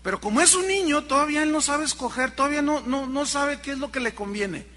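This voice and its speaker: A man's voice: very high voice, fast talker. A man preaching a sermon and acting out little dialogues as he goes. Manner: animated, acts out dialogues. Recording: long hall reverb.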